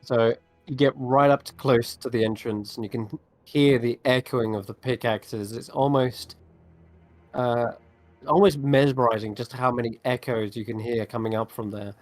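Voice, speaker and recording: A man's voice: medium pitch, fairly even intonation, normal speed, no room sound, faint music behind. A man narrating a tabletop role-playing game as game master, describing scenes and asking players what they do.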